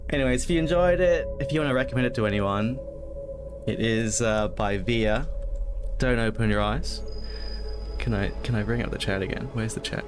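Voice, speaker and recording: A man's voice: mid-range voice, normal speed, over music. A man giving casual, rambling let's play commentary as a streamer, often interrupting himself in a conversational way. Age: adult, past his teens. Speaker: video game streamer. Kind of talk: casual let's play commentary, reading game text aloud.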